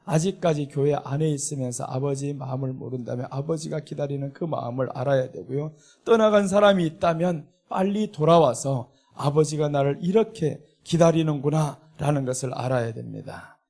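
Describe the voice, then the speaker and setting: A man's voice: fairly high pitch, moderate pace, a little mellow. A middle-aged man preaching a sermon as a pastor, earnest and emphatic, with a Seoul Korean accent. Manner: earnest preaching, rising when voicing indignation.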